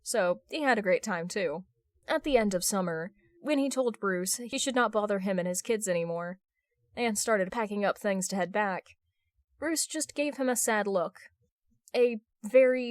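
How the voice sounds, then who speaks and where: A woman's voice: medium pitch, no echo, clean studio sound. A woman reading scripted fan fiction narration as an audiobook narrator.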